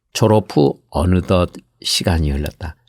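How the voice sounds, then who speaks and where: A man speaking at a very slow pace. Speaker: audiobook narrator. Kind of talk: essay reading.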